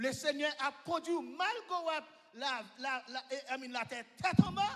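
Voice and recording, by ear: A man's extremely high, fairly bright voice, lively in intonation, at a fairly slow pace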